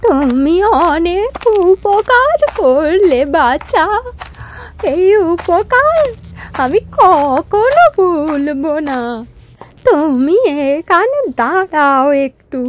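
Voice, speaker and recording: A woman voicing a kindly, frail old village woman in a cartoon, speaking slowly and tenderly. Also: very high-pitched, very animated, heavily acted. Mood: weary, kindly. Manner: slow, tender, drawn-out speech. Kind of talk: cartoon voice acting.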